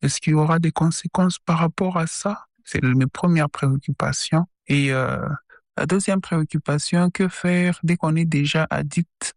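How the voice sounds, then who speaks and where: A woman's voice: deep voice, fairly even intonation, moderate pace, no room sound, studio quality. A woman from DR Congo, leaving a recorded voicemail question through a voice changer that disguises her voice. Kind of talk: recorded listener message.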